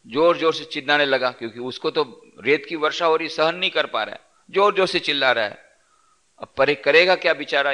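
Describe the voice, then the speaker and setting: Male preacher, storytelling sermon, bright tone, repeats key phrases. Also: medium pitch. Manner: repetitive, storytelling teacher. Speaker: monk giving a discourse. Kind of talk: scripture discourse sermon.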